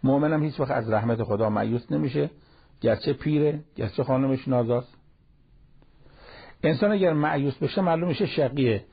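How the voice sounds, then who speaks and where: Over a dull, lo-fi broadcast, a gravelly man of medium pitch gives a sermon-style Quran commentary. As a cleric, he keeps his preaching plain and conversational while quoting Arabic verses.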